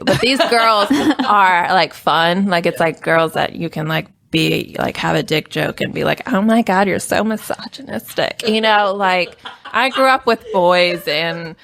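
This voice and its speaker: A woman's voice: lowish voice, big pitch swings, measured pace, gravelly, a bit bright, slight background noise. Joking, irreverent woman chatting casually. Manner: joking, irreverent, self-deprecating. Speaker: improv comedy performer, guest. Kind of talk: casual group interview chat.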